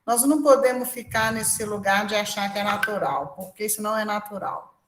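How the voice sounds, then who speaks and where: A woman speaks in a conversation circle, chatty and animated and tagging her sentences with "né?". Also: mid-range voice, brisk, background noise. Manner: conversational, frequent "né?" tags, lively anecdotes. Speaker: guest speaker. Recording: echoey room.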